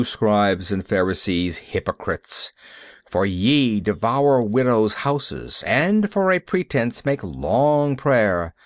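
A man voicing a troubled, stern minister who speaks in a deep, grave preaching cadence. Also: no echo. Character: troubled, stern middle-aged male minister.

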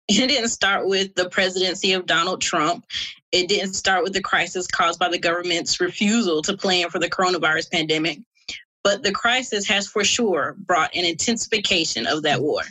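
A woman's voice: on the low side, bright, forceful tone, poor audio. A woman from South Carolina, an activist, delivering a prepared political speech with impassioned, militant revolutionary oratory. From South Carolina, United States. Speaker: activist speaker.

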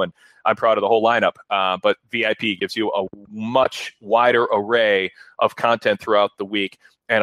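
Male talk radio host, lowish voice, dry close sound, rambling and conversational. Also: fairly bright tone, no echo. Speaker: show host. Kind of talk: casual talk radio hosting.

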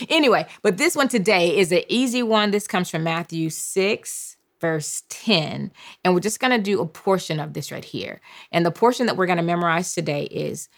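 A woman hosting a podcast Bible lesson, leading call-and-response memorization with drawn-out phrases. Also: deep voice, creaky. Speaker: podcast host and Bible teacher.

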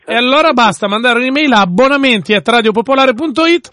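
A man's voice: very high-pitched, fast, bright, forceful tone, dry recording. A man hosting a radio phone-in with casual, playful, mock-earnest banter from a studio. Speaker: radio host.

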